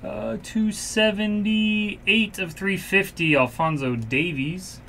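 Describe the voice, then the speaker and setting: A man's voice: high-pitched, steady tone, slow, bright, forceful tone, slight background noise. A man hosting a card break, casually calling out cards and numbers as he opens packs in a shop room.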